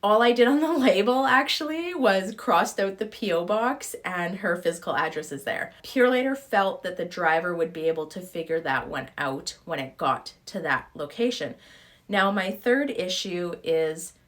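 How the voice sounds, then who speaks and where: Slightly hoarse woman venting casually. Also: lowish voice, normal speed. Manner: animated, exasperated storytelling with acted-out reactions. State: sore throat. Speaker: YouTube host and online reseller. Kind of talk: casual vlog rant.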